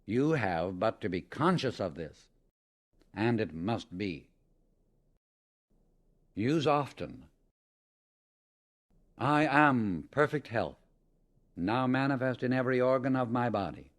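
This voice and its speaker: A man narrating a scripted spiritual audiobook in a measured, emphatic, instructional manner. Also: mid-range voice, lively intonation.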